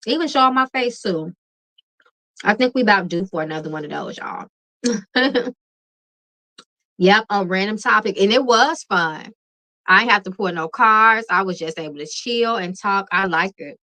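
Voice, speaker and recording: Bright-voiced woman chatting on a livestream. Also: medium pitch, normal speed, long pauses, low-quality recording. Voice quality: calming voice. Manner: relaxed, chatty, laughs often, addresses viewers as y'all. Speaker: tarot reader and livestream host. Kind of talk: casual livestream chat with viewers.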